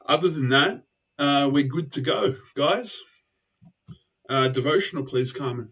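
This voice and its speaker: A man's voice: mid-range voice, measured pace, bright, forceful tone, slightly rough. A man hosting an online show in casual chat, rambling with many fillers and restarts. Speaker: podcast host. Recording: distant, dull lo-fi mic.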